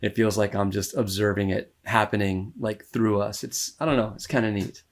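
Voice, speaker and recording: An American man in his thirties talks in an easygoing, rambling way, full of "um"s and quick laughs. His voice sits a little low. He sounds like a guest in a loose podcast conversation. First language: English. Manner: relaxed, rambling, laughs often, many fillers. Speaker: musician guest. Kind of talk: casual interview talk.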